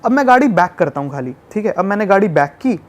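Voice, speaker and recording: A young man from Delhi telling a travel story in a casual podcast chat, animated and acting out the scenes. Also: sits high, fast. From Delhi, India. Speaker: travel YouTuber guest.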